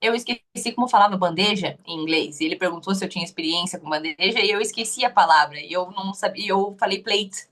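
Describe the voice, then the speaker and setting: A woman's voice: mid-range voice, fast, few pauses, fairly bright tone. Young Curitiba woman recounting a job interview. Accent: Curitiba Brazilian Portuguese. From Brazil. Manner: hesitant, many restarts, quotes herself. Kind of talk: casual interview storytelling.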